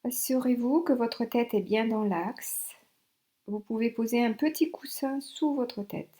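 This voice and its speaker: Female meditation guide, fairly high register, warm relaxed timbre, short spaced-out instructions. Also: a little slow. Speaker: yoga nidra instructor.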